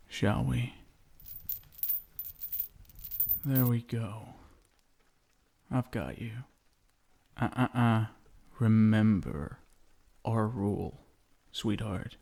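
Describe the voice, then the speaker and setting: A man playing a possessive, sinister yet doting vampire husband in an intimate ASMR roleplay, coaxing with endearments and lingering pauses. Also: on the low side, vocal fry, dark tone, breathy edge, full character voice. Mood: soothing, possessive.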